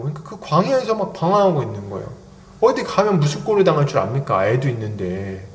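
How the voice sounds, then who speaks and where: A male pastor preaching an expository sermon, animated and acting out little dialogues. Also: fairly high pitch. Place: church sanctuary. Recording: echoey church hall.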